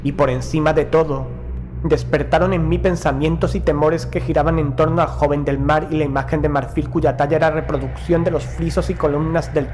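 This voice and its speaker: A man's voice: a little high, a little mellow, natural voice. A man playing a proud, doomed Prussian naval officer, narrating a horror audio story in a solemn, formal manner as madness haunts him. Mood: haunted, uneasy. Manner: solemn, formal, measured diction. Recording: music behind the voice. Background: music.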